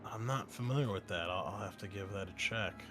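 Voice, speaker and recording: A man's voice: on the low side, brisk, over music. A man hosting a tabletop gaming podcast, chatting informally and enthusiastically with his players as game master. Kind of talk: casual podcast intro and chat with players. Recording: noisy home podcast recording. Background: clear background noise and ambience.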